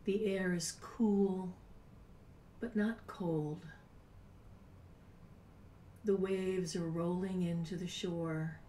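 Slow, soft older woman guiding meditation. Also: on the low side, fairly even intonation. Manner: soft, breathy, unhurried delivery with long pauses, at times near a whisper. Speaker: guided meditation host. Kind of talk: soft, soothing guided meditation. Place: small home room, indoors. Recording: roomy, distant mic with background noise.

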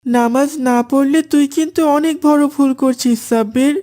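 A woman voicing an earnest high-voiced cartoon boy. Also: normal speed, warm tone, natural voice. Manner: polite, dutiful. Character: earnest devout young boy student.

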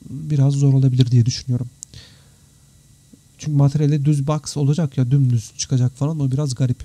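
Mellow, very dark-toned man, slightly worn. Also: mid-range voice, no echo. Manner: chatty, informal, addresses viewers as friends. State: tired, slightly worn voice after three hours of talking. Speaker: live stream host, 3D visualization teacher. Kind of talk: casual live Q&A, reading out and answering viewer comments. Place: indoors, computer live stream with screen share.

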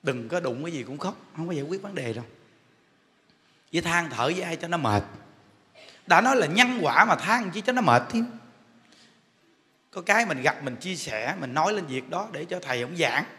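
Southern Vietnamese male monk, high bright voice, joking storyteller preaching; echoey hall. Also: animated, moderate pace, pauses often. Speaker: Buddhist monk teacher. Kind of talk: humorous dharma talk. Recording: echoey hall with faint noise.

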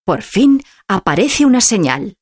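A woman narrating a story slowly and clearly for language learners, with expressive, deliberate reading. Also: mid-range voice. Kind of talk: slow scripted story narration for Spanish learners.

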